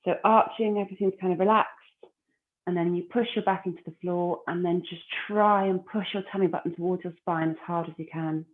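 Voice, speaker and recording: A woman leading a core exercise class, giving calm, encouraging cues and breath counts. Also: on the low side, brisk. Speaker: fitness instructor. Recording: phone-like narrow audio.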